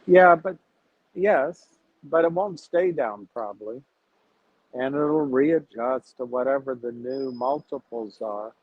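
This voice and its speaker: A man hosting a casual livestream about investing, talking to his viewers in a measured, reflective way as he thinks aloud. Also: medium pitch, breathy edge. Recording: tinny phone-like sound.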